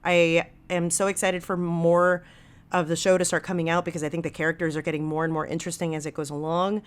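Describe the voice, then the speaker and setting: A woman's voice: lowish voice, level tone, quick pace, smooth. A woman guest talking casually on a podcast, emphatic and enthusiastic, with slangy phrasing. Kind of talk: casual conversational podcast talk.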